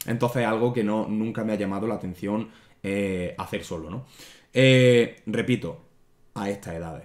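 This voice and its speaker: Against a quiet background, a fairly low-pitched man talks at a moderate pace with ordinary pitch variation. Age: 20s. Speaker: gaming youtuber; gaming content creator. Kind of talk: casual vlog monologue. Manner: hesitant, many fillers. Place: home room.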